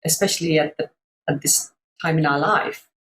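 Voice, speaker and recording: A woman's voice: low voice, moderate pace, a bit bright. A middle-aged woman from Sri Lanka, a coach talking thoughtfully about personal experience on a video call. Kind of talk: reflective conversation.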